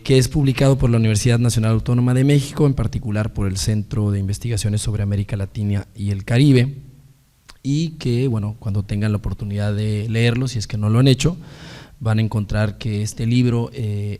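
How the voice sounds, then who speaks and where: Hoarse, low, sepulchral male moderator. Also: mellow. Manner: halting, frequent hesitations and repeated words. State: hoarse from illness. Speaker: moderator of a book presentation. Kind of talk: formal academic introduction, partly read out.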